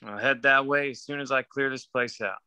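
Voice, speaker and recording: A man's voice: mid-range voice, brisk, sharp tone, clear, resonant tone, no echo, muffled recording. A man reading the part of a folksy, laconic small-town restaurant keeper at a screenplay table read, in an understated manner. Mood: matter-of-fact.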